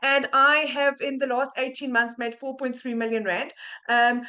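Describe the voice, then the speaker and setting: A young South African woman with a high, bright voice speaks earnestly. Her first language is Afrikaans. She stumbles through fillers and restarts. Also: level tone, moderate pace. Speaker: webinar guest. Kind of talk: testimonial on a video call.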